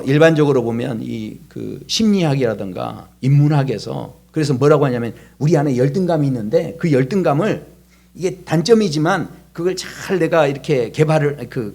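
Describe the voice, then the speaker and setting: High-voiced male pastor preaching. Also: a little mellow. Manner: asks the congregation questions and answers them himself. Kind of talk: sermon. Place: church sanctuary.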